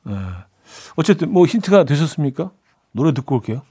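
A man's voice: a little high, animated, fairly quick, mellow, slightly rough. A man hosting a radio music show, chatting in a friendly way and reading out listener messages. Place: radio studio.

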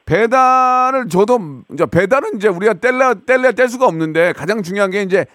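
A man's voice: high voice, lively intonation, fairly quick, fairly bright tone, no echo, clean studio sound. A man hosting a radio call-in show, chatting jovially and teasing his callers. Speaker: radio host. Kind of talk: casual radio call-in chat. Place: radio studio.

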